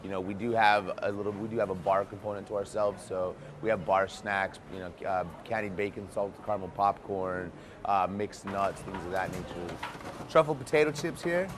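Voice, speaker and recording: A man's voice: low-pitched, little pitch movement, moderate pace, fairly bright tone. A man speaking casually and informally as a restaurant chef explaining his work. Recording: clear background noise.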